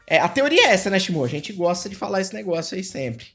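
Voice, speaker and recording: A man's voice: high voice, sing-song, fast talker, a bit bright, faint music behind. A man hosting a podcast interview, playful and hammy, who keeps repeating his catchphrase. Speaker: podcast host.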